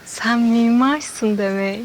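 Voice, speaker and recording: A quiet, wistful young engineer. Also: female voice, a little high, slow, slight background noise, low-quality recording. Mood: curious. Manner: quiet, hesitant, teasing at times. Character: reserved young female industrial engineer, wistful. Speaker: actor in a TV drama.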